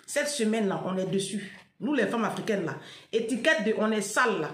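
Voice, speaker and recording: A woman from Côte d'Ivoire with an Ivorian French accent, giving lively vlog commentary. She scolds her viewers and laughs between remarks. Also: medium pitch, brisk, roomy sound. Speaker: vlogger.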